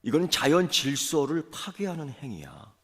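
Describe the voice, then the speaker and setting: A man's voice: on the high side, big pitch swings, normal speed, fairly bright tone, pitched above the performer's own voice. A man voicing a hungry male tiger who is greedy and then bewildered, talking with blustering self-importance. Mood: indignant.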